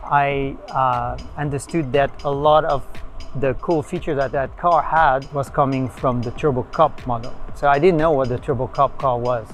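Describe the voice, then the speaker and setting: A middle-aged man from France with a French accent, talking casually in a car as the owner of a race car, halting often with fillers. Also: mid-range voice, fairly even intonation, faint music behind. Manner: hesitant, halting, many fillers. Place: inside a car on city streets.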